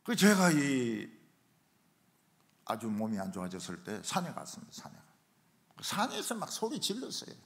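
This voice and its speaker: Animated pastor with a southeastern lilt. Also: male voice, medium pitch, normal speed, creaky, long pauses. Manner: animated storytelling, acts out shouted quotes. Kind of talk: revival sermon. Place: church sanctuary.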